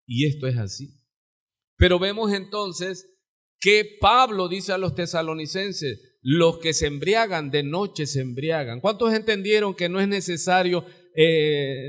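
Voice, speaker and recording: A Mexican man preaching a live sermon as pastor in his church, swinging from sudden shouts to quiet asides. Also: a little high. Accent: Mexican Spanish. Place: church sanctuary.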